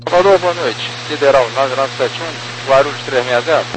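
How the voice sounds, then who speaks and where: A man's voice: medium pitch, normal speed. A man with a Brazilian accent makes clipped pilot calls over an aviation radio. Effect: aviation radio transmission. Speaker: airline pilot. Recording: noisy cockpit radio with hum.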